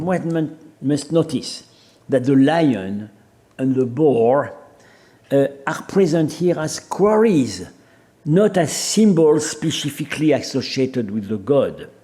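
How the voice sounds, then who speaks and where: French-accented professor, dark mellow voice. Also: male voice, mid-range voice. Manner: measured, hesitant with fillers and restarts. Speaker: professor giving a seminar. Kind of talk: academic lecture reading quotations.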